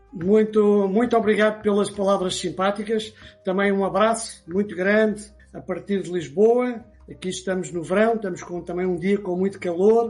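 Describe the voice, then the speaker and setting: Music plays in the background as a man with a high pitch speaks at a moderate pace with fairly even intonation. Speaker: retired army colonel and professor. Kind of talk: interview.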